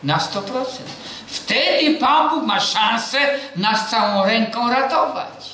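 A man's voice: very high voice, slow pace. A man preaching a sermon, quizzing the congregation with questions he answers himself and telling personal stories. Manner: tells personal stories with lively quoted dialogue. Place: church hall. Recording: very echoey hall.

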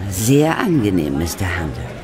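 An actress playing a haughty, theatrical film diva in a radio play, affected and dramatic in manner. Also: female voice, a bass voice, sing-song, a little slow, exaggerated voice. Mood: gracious, affected. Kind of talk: German radio play acting. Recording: party crowd and music behind.

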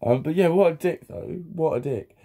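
A man's voice: on the high side, normal speed, dark tone, husky. A man, telling a story in a casual vlog rant, swearing constantly, laughing and acting out what people said, filmed close up while lounging in a small room. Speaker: vlogger.

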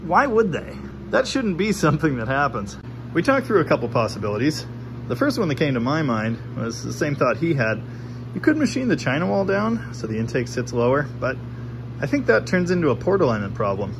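A man talks through an engine build in a cluttered home garage, his pitch rising and falling in a lively, wry way. The room is noisy, with a steady hum of background sound under his voice, picked up by the camera's microphone. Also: a little fast. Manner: animated, wry, talks with his hands while showing parts. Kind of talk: casual explanatory workshop commentary.

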